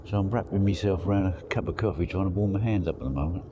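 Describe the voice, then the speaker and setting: A very deep-voiced man, croaky from the cold, muses aloud in a relaxed, rambling way beside a lake. The outdoor recording carries clear, steady background noise. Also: rapid-fire. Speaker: angler vlogger. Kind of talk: casual spoken fishing diary.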